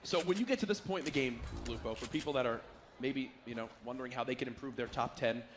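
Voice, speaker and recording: A man's voice: medium pitch, fast talker, over music. A man working as an esports caster, giving live commentary on a battle royale game and explaining tactics to viewers. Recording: noisy live event with game gunfire.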